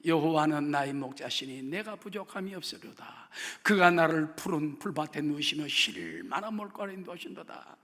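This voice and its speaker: A man's voice: on the high side, sing-song, moderate pace, few pauses, fairly bright tone, exaggerated voice. A man voicing a famous actor who recites a psalm in a sonorous, stately way. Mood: solemn. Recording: long reverb of a large hall.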